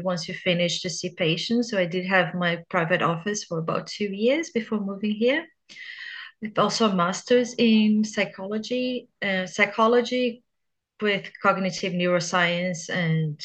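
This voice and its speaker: Brazilian woman in her thirties, medium pitch, polite and methodical guest. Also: fairly bright tone. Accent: Brazilian Portuguese. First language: Portuguese. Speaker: guest researcher. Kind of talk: interview answers.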